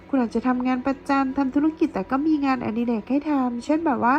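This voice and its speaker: A woman's voice: high-pitched, steady tone, fast, lo-fi sound, a little hiss or hum. A woman giving a chatty tarot reading to her viewers, playful and gushing, full of teasing praise. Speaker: tarot reader.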